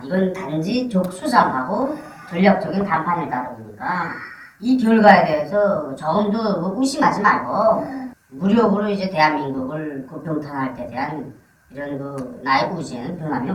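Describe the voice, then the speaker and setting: A guest from Korea, voice disguised by being pitched down, giving measured, matter-of-fact interview answers. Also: reverberant, distant mic, poor audio. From North Korea.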